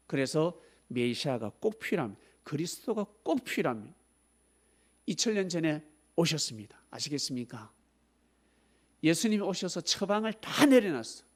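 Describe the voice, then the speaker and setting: A man preaching a sermon at a youth service, asking the students questions and calling on them by name. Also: a little high. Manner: animated, acts out scolding voices, asks the listeners questions. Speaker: pastor.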